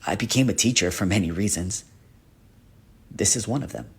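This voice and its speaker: A man plays a gentle shapeshifting teacher with a painful past in a dramatic character monologue. His voice is fairly low and rough-edged with husk. He speaks earnestly and confidingly, halting when emotion gets to him. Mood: earnest, reflective.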